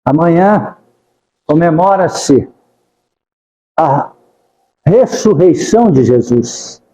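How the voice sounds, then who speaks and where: A spiritist lecturer speaks very slowly yet animatedly in a devotional talk, his high, mellow voice reverberating at length through the spacious hall of a spiritist center. He prays fervently and pleadingly, repeating the name of Jesus over and over.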